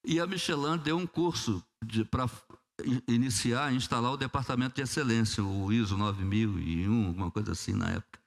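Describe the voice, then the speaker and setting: A man's voice: mid-range voice, a little fast, vocal fry. A man with a Brazilian Portuguese accent, a pastor preaching a sermon in church, telling a story and acting out prayers with humor. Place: church sanctuary.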